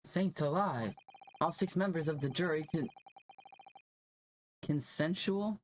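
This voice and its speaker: A streamer voicing an earnest, flustered young game character in a halting, emphatic way. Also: medium pitch, a little hiss or hum, pitched above the performer's own voice, natural voice. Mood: astonished. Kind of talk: amateur game dialogue reading.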